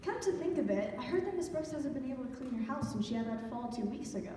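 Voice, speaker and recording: A woman playing a gentle, encouraging mother in an amateur stage radio play. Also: high voice, fast talker, close to an everyday voice. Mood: agreeable. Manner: gentle, agreeable. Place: church stage before an audience. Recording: echoey church hall, distant, faint noise.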